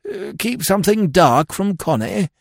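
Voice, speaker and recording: Man voicing a high, dithering old English lord. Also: very animated, unhurried, gravelly, dry recording, studio quality, full character voice. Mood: absent, bewildered. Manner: murmuring, absent-minded, dithering, repeats himself. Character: dreamy, vague, benevolent elderly English lord. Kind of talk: comic novel audiobook character voice.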